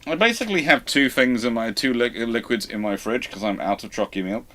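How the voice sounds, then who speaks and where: Male host, mid-pitch voice, rambly live-stream chat. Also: a little fast, a bit bright. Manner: rambling, self-correcting, chatty. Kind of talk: casual chat, answering viewer questions.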